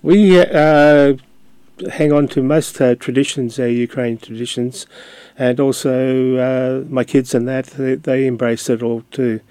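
An older man speaks in a level, unvaried voice, pausing often on fillers and restarting his sentences. The sound is close and dry, with no room around it. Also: medium pitch, level tone, warm tone, clean tone, dry recording. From Australia. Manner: hesitant, many fillers and restarts. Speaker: community radio guest. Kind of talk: casual interview talk.

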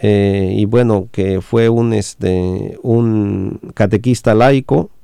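A man hosting a radio talk, interpreting, halting and full of fillers. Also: on the low side, fairly even intonation, vocal fry, mellow, clean tone, no room sound, studio quality. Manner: many fillers and restarts, slow and halting.

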